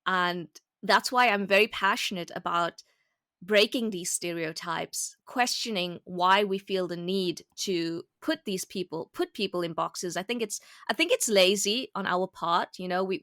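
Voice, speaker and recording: A woman's voice: medium pitch, sharp tone, no echo, clean studio sound. A woman from South Africa with a South African accent, speaking earnestly and reflectively as a guest in a casual interview. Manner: earnest, reflective, laughs easily.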